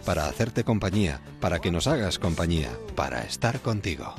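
A man hosts a late-night radio show, addressing his listeners in a close, unhurried way. His voice sits low but moves a lot in pitch, and music plays clearly beneath him. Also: animated. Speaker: radio host. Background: music bed.

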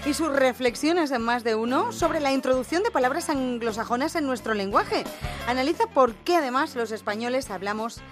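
A woman radio host with a Spanish accent reading a scripted introduction in a clear, measured way. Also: sits high, animated, music in the background. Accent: Spanish from Spain.

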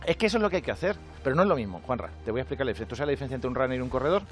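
A man from Spain with a Spanish accent, delivering an animated, jokey comic monologue on a radio show. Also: mid-range voice, very fast, soft background music. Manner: animated, jokey, acts out quoted voices. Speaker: comedian with a radio segment. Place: radio studio.

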